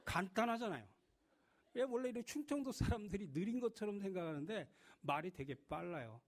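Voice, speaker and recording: A middle-aged man from Chungcheong, South Korea, preaching a sermon to his congregation with a lively, humorous, direct manner. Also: high-pitched, brisk. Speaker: pastor. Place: church.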